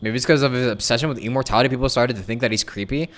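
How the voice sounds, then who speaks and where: A man chatting casually on a game livestream, thinking aloud in a halting way and repeating his phrases. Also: mid-range voice, a bit bright, slight background noise. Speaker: game streamer. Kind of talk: casual livestream chat with viewers.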